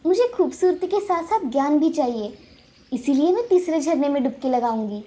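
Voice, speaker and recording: A woman voicing a timid, gentle young girl in a cartoon story, speaking softly and pleadingly. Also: sits high, expressive, normal speed. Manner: pleading, soft. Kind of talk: cartoon voice acting.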